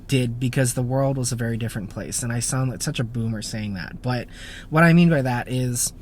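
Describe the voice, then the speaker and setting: A man's voice: medium pitch, fairly quick. Casual YouTube host in his thirties, midrange voice, rambling and self-deprecating, faint hum behind. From born in Japan, raised in the United States. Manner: chatty, self-deprecating, many fillers and restarts. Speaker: YouTube car channel host. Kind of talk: casual Q&A to camera.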